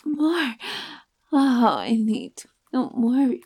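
A woman playing a predatory, seductive female creature that drains life, speaking in a breathy, whispered, domineering tone in an erotic audio roleplay. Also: fairly high pitch, huge pitch swings, takes it slowly, a little mellow, exaggerated voice.

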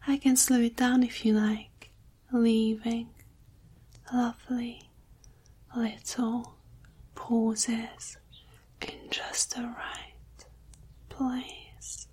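A woman giving an intimate erotic ASMR monologue in a breathy whisper, with slow, sultry, pausing delivery. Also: medium pitch, darkish tone. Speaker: erotic audio performer.

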